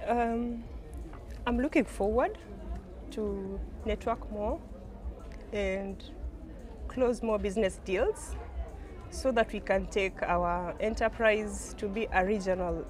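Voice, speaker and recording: A woman's voice: mid-range voice, a little slow, a little mellow. A woman from Kenya, a co-founder, speaking hesitantly with fillers in an interview. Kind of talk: interview testimonial.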